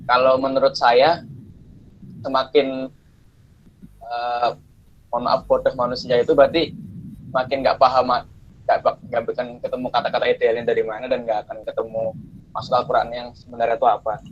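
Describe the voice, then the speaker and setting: A man's voice: medium pitch, flat delivery, a little fast, pauses often, lo-fi sound, slight background noise. A male student answering hesitantly in an online class, his audio breaking up over the call and asking to be corrected. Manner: hesitant, apologetic, asks to be corrected. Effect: choppy online call audio breaking up.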